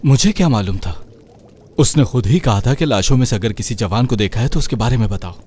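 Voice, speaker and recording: A man's voice: medium pitch, brisk, mellow, slight background noise, natural voice. A man voicing a boastful but cowardly young suitor with a pleading, wheedling manner.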